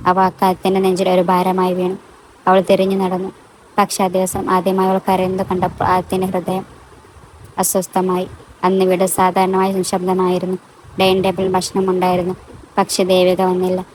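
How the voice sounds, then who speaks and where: A woman narrating a romantic audio story in a calm, measured way. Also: fairly low pitch, a little hiss or hum, poor audio.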